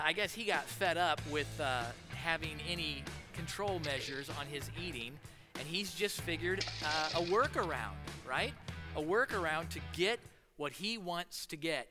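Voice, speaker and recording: A man's voice: on the high side, big-room sound. A man in his thirties with a Midwestern American accent, a pastor preaching a casual, story-driven sermon from a stool on a church stage, gesturing as he talks. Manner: storytelling, animated with hand gestures, seated on a stool. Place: church stage in front of a large screen.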